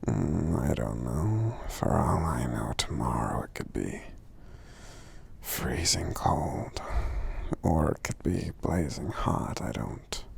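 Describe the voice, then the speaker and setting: Very deep, gravelly, soft-spoken man as a gentle giant. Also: sing-song, full character voice. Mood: gentle, musing. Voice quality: very deep, gravelly, breathy, often near whisper. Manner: hesitant, halting, murmured hums between phrases. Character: friendly, gentle, unsure male giant. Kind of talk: ASMR roleplay, soft speaking.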